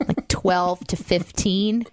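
Female podcast co-host, high voice, playful and self-mocking, dry close mic. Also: steady tone, takes it slowly, dry recording. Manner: playful, self-deprecating, giggly. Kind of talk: casual podcast chat.

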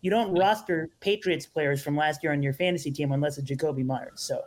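A man's voice: a little high, fairly quick. A young man being interviewed as a guest on a podcast, often restarting his sentences with fillers. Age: young adult. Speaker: podcast guest, fantasy sports analyst. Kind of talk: casual interview chat.

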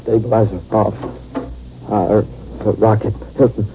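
A muffled fifties radio drama recording with faint noise. an injured colonel who is barely conscious. He speaks very slowly, in dazed, broken fragments with little change in pitch. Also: gravelly. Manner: halting, flat, fragmented. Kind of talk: 1950s radio drama acting. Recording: dull, hissy 1950s radio recording.

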